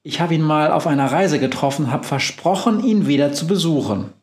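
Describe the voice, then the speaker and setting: Guy doing a perky old witch lady, bossy, talks high and fast, echoey room. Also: expressive, darkish tone, close to an everyday voice. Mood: bustling. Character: cheerful old female witch, bossy and secretive.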